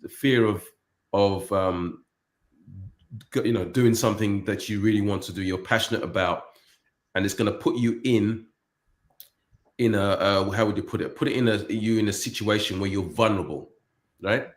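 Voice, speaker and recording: Deep-voiced man talking in a roomy space. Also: normal speed, pauses often. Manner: rambling, many restarts and repeated words. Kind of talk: casual chat. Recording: roomy echo.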